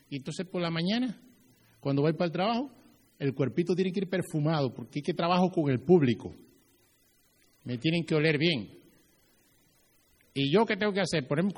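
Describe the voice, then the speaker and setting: A male pastor giving a lively sermon, acting out little scenes as he preaches. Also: fairly high pitch, brisk, pauses often, husky, long reverb tail.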